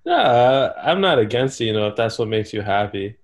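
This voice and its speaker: A man's voice: mid-range voice, very animated, fairly quick. A young man in his early twenties, speaking as a guest in a casual chat with a hesitant manner. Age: 20s. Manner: hesitant, with many ums and soft trailing-off phrases.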